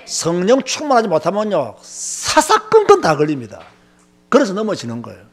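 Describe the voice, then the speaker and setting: Male pastor, high-pitched and emphatic storytelling sermon delivery. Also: moderate pace. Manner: emphatic, animated storytelling with many filler words.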